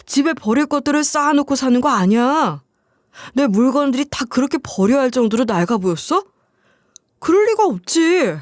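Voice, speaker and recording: A woman's voice: high voice, big pitch swings, normal speed, no room sound, clean studio sound. A woman voicing an irritated husband who runs an appliance store, asking scolding questions. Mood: exasperated.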